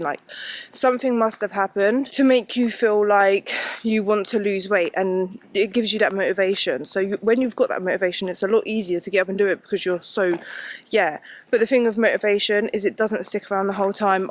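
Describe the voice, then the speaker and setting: A woman talks to a phone held at arm's length as she walks up a hill outdoors. She chats in a loose, rambling way, packed with fillers, and she is a little out of breath from the climb. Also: mid-range voice. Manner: chatty and rambling, many fillers like "like" and "yeah". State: out of breath walking uphill. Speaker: vlogger. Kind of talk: casual chat while walking.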